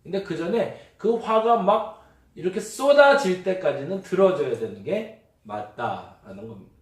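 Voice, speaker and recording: A man's voice: high-pitched, animated, normal speed. A male pastor preaching a conversational sermon, acting out everyday remarks as he goes. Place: church sanctuary. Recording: echoey church hall, mic at a distance.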